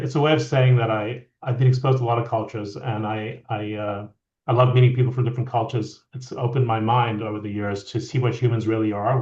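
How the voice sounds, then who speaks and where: A middle-aged man from France, a guest leadership coach, talking in a reflective, halting way with many restarts. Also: medium pitch, a little mellow. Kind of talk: conversational interview. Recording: echoey, dull lo-fi audio.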